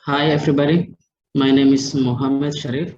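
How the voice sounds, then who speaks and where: A man's voice: mid-range voice, fairly even intonation, moderate pace, darkish tone. A man from Somalia introducing himself as an education ministry planner, plain and a little hesitant. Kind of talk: self-introduction. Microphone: video call. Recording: lo-fi call with clear background noise.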